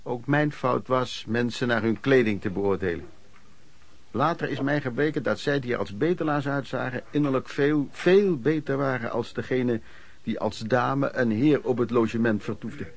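An actor narrating a Dutch radio play as a reflective vagrant, in measured, formal, scripted sentences. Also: male voice, mid-range voice, natural voice. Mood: rueful, reflective. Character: earnest, rueful vagrant narrator recalling lodging-house life.

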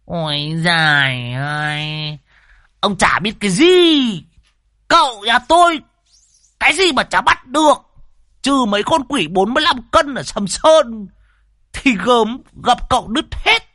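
A man voicing a loud, greedy old sorcerer who shouts and boasts in a storybook reading. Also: high voice, animated, a little slow, no room sound, clean studio sound, voice pushed up, heavily acted. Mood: boisterous.

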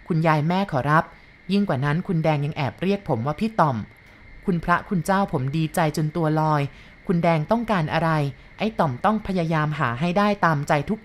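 Low-voiced woman reading a story aloud. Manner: calm, measured reading of a male first-person story. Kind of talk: first-person story narration.

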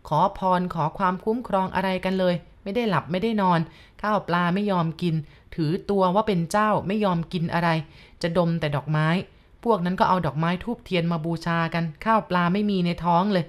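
A woman voicing a weary, worried old village uncle who grumbles slowly. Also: on the low side, close to an everyday voice. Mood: grumbling. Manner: slow, grumbling.

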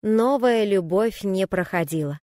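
A woman reading a first-person memoir aloud as an audiobook narrator, in a calm, even and reflective way. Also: mid-range voice, unhurried, no room sound, studio quality.

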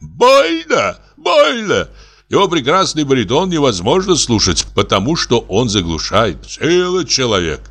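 A man reads a classic tale aloud with theatrical flair. His pitch sits in the middle but swings widely and freely as he leans into the storytelling. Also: very animated, normal speed, hardly any pauses, a bit bright. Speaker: audiobook reader. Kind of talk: expressive literary reading.

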